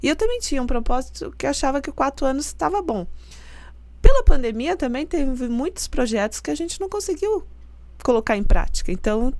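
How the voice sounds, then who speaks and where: A woman's voice: on the high side, no echo. A middle-aged woman, a university rector answering interview questions earnestly and explaining at length. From Santa Catarina, Brazil. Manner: earnest and explanatory, with soft laughs. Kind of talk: casual interview talk.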